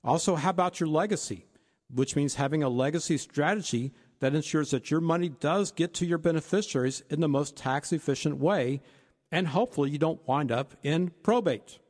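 A man's voice: a little high, fairly quick, in a large hall. A man co-hosting a financial advice talk, laying out retirement planning points one by one. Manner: steady explanatory, lists points. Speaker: financial advisor co-host.

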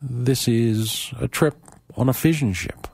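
A man hosting a music radio show, talking casually between tracks with a hoarse, croaky voice, loose and chatty with asides. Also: medium pitch, slow, darkish tone, no room sound. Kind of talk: relaxed radio back-announcing.

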